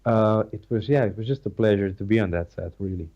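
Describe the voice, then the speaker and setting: Over a call, an actor with a Slovenian accent, a native Slovenian speaker, chats in a casual interview, frequently hunting for words and restarting. His fairly low, mellow voice moves fairly quickly, and the audio has its highs cut off.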